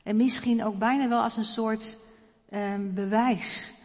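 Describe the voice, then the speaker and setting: A woman preacher giving a reflective, personal sermon in a church, pausing now and then with hesitant fillers. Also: a little high, fairly even intonation. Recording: long church reverb.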